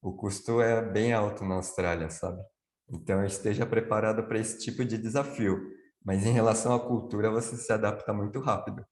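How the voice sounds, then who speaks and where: A man's voice: on the low side, steady tone, a little fast, a little mellow, reverberant. A man on a video call explaining things at length, answering his own questions as he goes. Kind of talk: live online Q&A chat.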